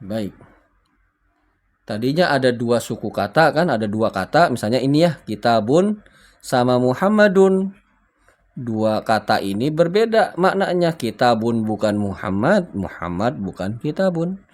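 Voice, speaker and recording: A man gives an unhurried recorded lesson, moving through the material one word at a time. He spells, translates and quizzes his unseen viewers patiently, with plenty of pauses. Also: medium pitch, big pitch swings, a little mellow. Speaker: Arabic teacher.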